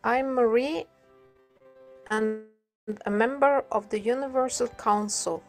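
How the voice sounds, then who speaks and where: A woman from Norway speaking English with a Norwegian accent, giving an earnest, measured prepared talk as a council member. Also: a little high, faint music behind. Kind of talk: prepared talk, read aloud.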